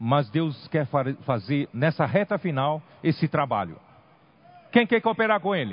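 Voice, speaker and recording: The voice is somewhat breathy and fairly slow, with long, frequent pauses. Its pitch swings very widely. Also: man, fairly high pitch for a man. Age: 70s. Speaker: pastor. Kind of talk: sermon.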